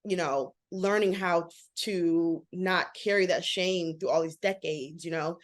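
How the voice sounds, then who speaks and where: A woman in her thirties chats as an interview guest. Her voice sits a little low, and she talks fast and animatedly with lots of "like" fillers. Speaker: guest, author and model. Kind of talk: casual interview talk.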